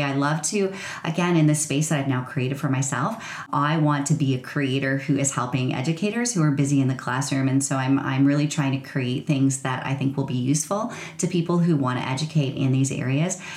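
A woman with a Canadian accent talks at a fairly quick pace in a very deep, low pitch with ordinary pitch variation, with audible room echo and noticeable background noise. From rural Ontario, Canada. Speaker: educator and digital storytelling consultant. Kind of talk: interview conversation.

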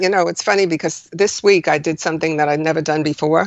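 Very deep and low in pitch, a woman's voice keeps a fairly even intonation. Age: 70s. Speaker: author and life coach. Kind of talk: casual interview chat.

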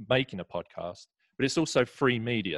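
A man with an Essex accent talks at a fairly quick pace. The recording is very clean, with a silent background. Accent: southern English (Essex). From Essex, England. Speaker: podcast production consultant. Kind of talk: casual interview chat.

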